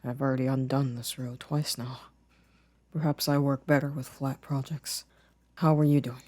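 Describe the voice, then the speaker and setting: A young man playing a gentle, shy, affectionate boyfriend in an ASMR roleplay, speaking softly and hesitantly with careful phrasing. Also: mid-range voice, little pitch movement, moderate pace, no echo, natural voice. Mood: calm, modest.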